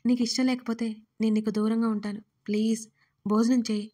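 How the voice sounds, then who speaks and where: A woman doing a devoted young husband begging gently, his voice mellow and flat. He sounds humble and earnest in this audio storybook. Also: a little high, brisk, natural voice. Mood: pleading. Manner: soft, pleading.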